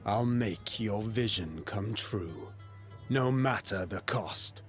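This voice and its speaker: An actor playing an earnest, driven, brooding mage in a fantasy game, speaking seriously and formally. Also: male voice, fairly low pitch, lively intonation, slow pace, soft background music. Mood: grieving, resolute.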